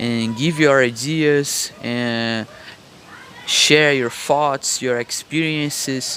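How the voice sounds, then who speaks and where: A man with a Brazilian accent, medium pitch, fairly even intonation, and very slow pace, over noticeable background noise. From Brazil, Rio de Janeiro. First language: Portuguese. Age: 20s. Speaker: vlogger. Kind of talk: casual vlog monologue. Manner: hesitant, repeats words.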